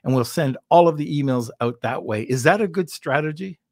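A man's voice: on the high side, animated, fairly quick, a little mellow, no echo, studio quality. A man with a Canadian accent hosting a podcast, asking questions in an easygoing, casual way. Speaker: podcast host.

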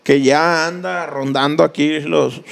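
A man's voice: a little high, steady tone, slow pace, vocal fry, noisy background. A man with a Mexican accent in casual comedic chat, slangy and sweary, often repeating himself as he talks. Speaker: podcast co-host.

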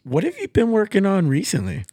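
A man's voice: sits high, huge pitch swings, brisk, dark tone, breathy edge, dry recording, studio quality. An American man hosting a podcast interview in a casual, informal and supportive way.

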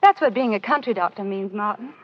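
An actress playing a devoted young wife from a small town, warm and reassuring, in an old radio drama. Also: female voice, medium pitch, brisk, natural voice. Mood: cheerful. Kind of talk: 1930s radio drama acting. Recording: dull old radio broadcast.

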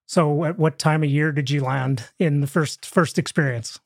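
A man's voice: a little high, steady tone, moderate pace, creaky, no room sound, studio quality. A man hosting an interview, rambling and jokey, often restarting his sentences. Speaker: podcast host. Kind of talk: casual interview chat.

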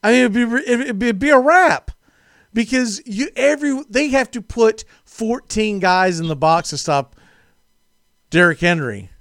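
A man hosting a casual sports talk show, animated and jokey, laughing often as he talks. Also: high-pitched, measured pace, dry recording, clean studio sound.

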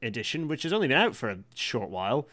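Male stream host, mid-pitched, informal and chatty, stop-start delivery with repeated words. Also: sing-song, fast, bright, forceful tone. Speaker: livestream host. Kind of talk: casual live chat hosting.

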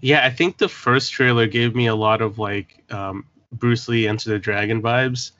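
A man's voice: mid-range voice, steady tone, moderate pace, fairly bright tone, no echo. A man co-hosting a pop culture podcast in casual chat, joking and rambling. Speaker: podcast co-host. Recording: dull lo-fi dry sound.

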